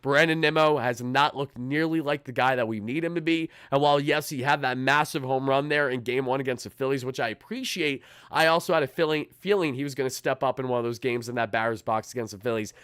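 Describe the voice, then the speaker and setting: A young man with a raspy, hoarse voice from shouting, hosting a pregame live stream and talking fast and fired up as a fan. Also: medium pitch, no echo, studio quality. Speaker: sports channel host.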